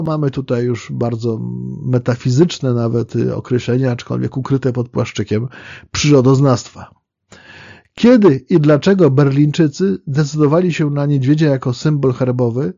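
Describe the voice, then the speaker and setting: A man giving a spoken history lecture in a measured, explanatory way, pausing on fillers and correcting himself as he goes. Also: medium pitch, gravelly, mellow, no room sound, highs cut off.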